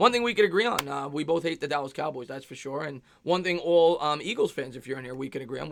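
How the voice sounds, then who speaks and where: A man's fairly high, bright, sharp voice with a New York accent, on a very clean recording with a silent background. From New York, Long Island (Nassau County). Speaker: sports YouTuber. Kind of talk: live stream Q&A. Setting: live stream with green screen. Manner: casual, filler-heavy.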